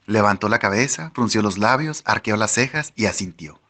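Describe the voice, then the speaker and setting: Bright-voiced man narrating an audiobook. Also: on the low side, lively intonation, moderate pace. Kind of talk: first-person audiobook narration.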